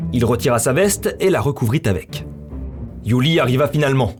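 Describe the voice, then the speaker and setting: A male narrator reads scripted science-fiction storytelling. His voice sits at an average pitch for a man. Faint music runs behind the narration. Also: darkish tone. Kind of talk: scripted narration of a sci-fi visual novel.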